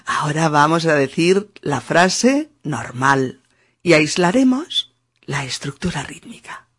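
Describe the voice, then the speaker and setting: A woman from teaching pronunciation in a podcast lesson, speaking slowly and deliberately and sounding out rhythm. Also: sits low, sing-song, breathy edge. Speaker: Spanish teacher.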